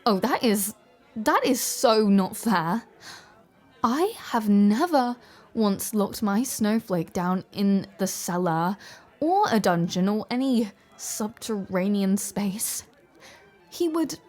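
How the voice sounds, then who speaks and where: A woman acting an icy female war general who has softened with love, in an intimate audio drama. She speaks slowly and haltingly, often dropping into a breathy half-whisper, wistful and exposed. Music plays behind her voice. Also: medium pitch, lively intonation. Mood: flustered, teasing. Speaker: audio roleplay voice actor.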